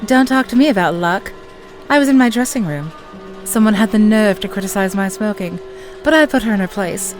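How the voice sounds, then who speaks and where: A woman's voice: mid-range voice, expressive, a little fast, faint music behind, close to an everyday voice. A woman playing the haughty, dramatic ghost of an actress in a radio drama.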